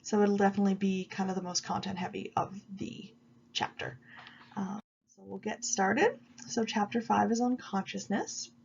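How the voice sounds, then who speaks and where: A woman giving a recorded video lecture while she has a cold, explaining at an even pace with frequent ums. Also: mid-range voice, normal speed, creaky, highs cut off, slight background noise. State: stuffy with a cold. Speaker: college psychology instructor.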